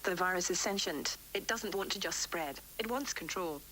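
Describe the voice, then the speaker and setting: A woman playing a worried, defiant doctor dictating formal, measured research logs for an analog horror tape series, recorded on vintage cassette. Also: on the low side, sharp tone, a little hiss or hum. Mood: grave, disturbed. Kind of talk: analog horror tape log, scripted report.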